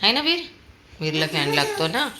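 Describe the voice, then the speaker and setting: A woman's voice: low-pitched, sing-song, moderate pace. A woman chatting at home, fondly scolding a small child and coaxing a pet dog. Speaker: dog owner filming at home. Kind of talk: casual home video chat. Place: home indoors with a fan. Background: fan noise and a dog.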